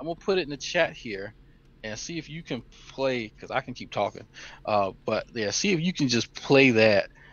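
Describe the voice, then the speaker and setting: With lively intonation and big swings in loudness, a man talks at a moderate pace and medium pitch in an ordinary speaking voice. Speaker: podcast co-host. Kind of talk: casual chat.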